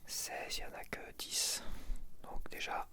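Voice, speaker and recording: A man whispering casual, informal ASMR commentary in a breathy voice, muttering to the viewer close to the microphone. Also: unhurried. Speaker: ASMR video creator.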